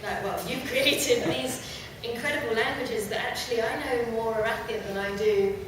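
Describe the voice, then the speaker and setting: A woman's voice: fairly high pitch, moderate pace, background noise. A woman, an actor on a panel, talking enthusiastically with a giggle. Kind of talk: casual panel talk. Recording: echoey room from far off with crowd.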